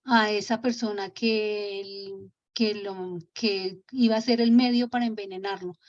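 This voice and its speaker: A woman's voice: mid-range voice, steady tone, unhurried, no echo, lightly acted. A woman voicing a guilt-ridden, bitter female spirit who speaks defensively and with anguish, on a dull lo-fi recording.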